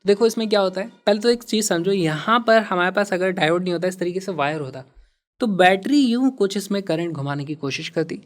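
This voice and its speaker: A man teaching physics and walking through exam problems in a lively way. He stresses key words and mixes in English terms. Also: sits high.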